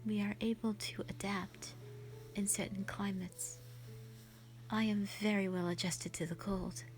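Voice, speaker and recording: A woman voicing a gentle, lonely female white dragon in a roleplay audio drama, speaking softly and breathily in a sweet, formal, hesitant way. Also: medium pitch, fairly even intonation, a little slow, soft background music, natural voice. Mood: gentle, reassuring. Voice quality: soft, breathy, often whispery.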